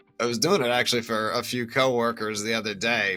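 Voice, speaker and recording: A man speaks with a strong Boston accent and ordinary pitch variation. Noticeable background noise runs underneath. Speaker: comedian and pizza chef. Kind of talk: casual chat.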